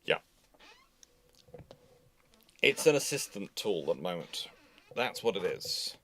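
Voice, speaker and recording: A man's voice: deep voice, big pitch swings, slow, fairly bright tone, slight background noise. A man hosting a livestream, chatting casually in a rambling, digressive way. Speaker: live stream host.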